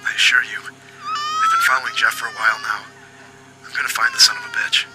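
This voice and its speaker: A man playing a foul-mouthed but apologetic police agent in an audio drama, questioning politely and haltingly. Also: medium pitch, huge pitch swings, loud music behind the voice, low-quality recording. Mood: probing, determined. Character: foul-mouthed, apologetic male detective agent hunting a killer.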